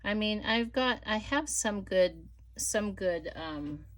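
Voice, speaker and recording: A middle-aged woman chatting casually while she crafts, rambling with many fillers and dropping to soft murmurs as she works. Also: medium pitch, lively intonation, slow pace. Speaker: crafting vlogger.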